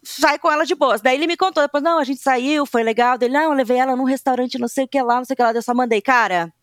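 Lively Brazilian woman, slightly high voice. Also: rapid-fire, no room sound, studio quality. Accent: Brazilian Portuguese. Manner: animated storyteller who acts out quoted texts. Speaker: podcast co-host. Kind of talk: casual chat.

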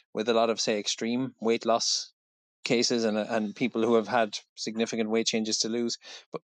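A man's voice: mid-range voice, dry recording. An Irish man, a fitness coach, answering interview questions thoughtfully, with frequent restarts and asides. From Ireland. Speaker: fitness coach, podcast guest.

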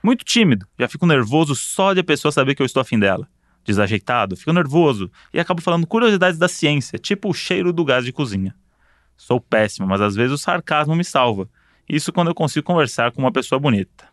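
A man's voice: on the high side, very animated, fast, a bit bright, no echo, clean studio sound. A man co-hosting a casual chat, reading out quiz options and joking around playfully. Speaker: podcast co-host.

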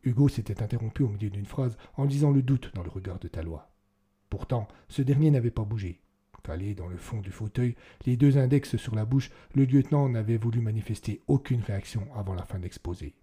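A man narrating an audiobook in a calm, measured storytelling manner. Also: fairly low pitch, breathy edge.

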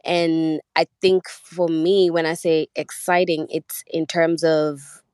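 A young woman from Kenya, a musician guest speaking casually over a remote call, rambling with restarts and soft laughs. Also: deep voice, flat delivery, takes it slowly, clear, resonant tone, no room sound, clean studio sound. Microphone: remote call audio.

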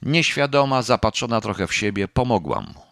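A man narrates a novel in the first person with a very low, steady voice. His delivery is measured and subdued. The recording is close and dry, with no room echo. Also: gravelly. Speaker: audiobook narrator.

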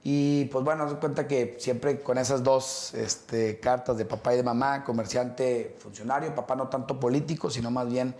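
A middle-aged man, talking as an interview guest. His pitch sits in a middle register, and his stories ramble along with fillers and restarts. The room around him is echoey. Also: moderate pace, few pauses. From Mexico. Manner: relaxed, rambling storytelling with many fillers and restarts. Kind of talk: casual interview conversation.

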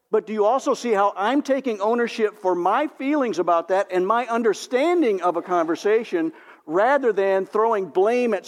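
Male pastor, folksy sermon delivery, high voice, long hall reverb. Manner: folksy, acts out sample dialogues. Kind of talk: sermon on marriage.

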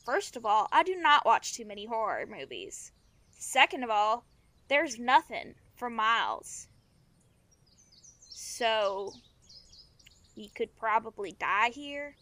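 A woman acting a guilt-ridden, blunt young runaway with powers in a naturalistic audio drama, talking in a halting, slangy, confessional way. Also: fairly high pitch, sing-song, pushed and bright, heavily acted. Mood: dry, casual. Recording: music behind the dialogue. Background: music.

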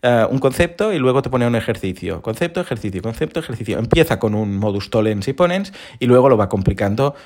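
Male podcast host, animated, pitch swings widely, slightly hoarse, talks straight to listeners. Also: fast, hardly any pauses. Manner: lively, animated explaining with rhetorical questions. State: recovering from hoarseness. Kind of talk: casual explanatory monologue.

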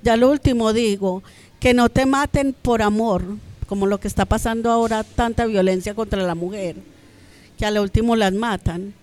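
A woman, a podcast guest, telling her own story in an animated, conversational way. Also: a little high, moderate pace. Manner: animated, acts out quoted voices.

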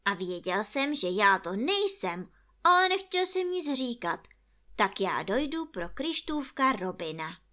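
A woman's voice: fairly high pitch, sing-song, sharp tone. A woman voicing a cautious, fussy little rabbit with a prim, polite manner in a storybook reading. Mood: tart.

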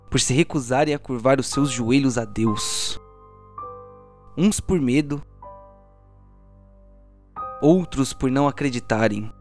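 A man's voice: mid-range voice, a little mellow. A man with a Brazilian accent, working as game master and narrating a tabletop RPG audio drama in a theatrical, storytelling way. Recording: music behind the voice. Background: soundtrack music.

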